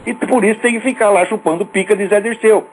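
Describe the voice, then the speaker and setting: A man's voice: high-pitched, fairly even intonation, quick pace, slight background noise, rough recording. A male radio host with a Brazilian accent, ranting in a scornful, profane and sarcastic monologue. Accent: Brazilian Portuguese.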